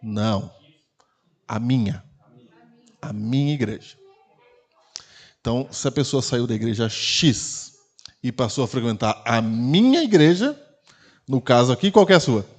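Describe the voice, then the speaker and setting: A man with a Brazilian Portuguese accent, preaching a sermon as pastor in a conversational way, full of rhetorical questions and sharp swings between quiet and loud. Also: mid-range voice, animated, unhurried, long pauses. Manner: loudness rises and falls sharply. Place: church.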